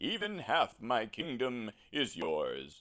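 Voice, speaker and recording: Booming in a put-on character voice, a man speaks at a very slow pace with a medium pitch and very wide pitch swings. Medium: read story. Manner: commanding, booming.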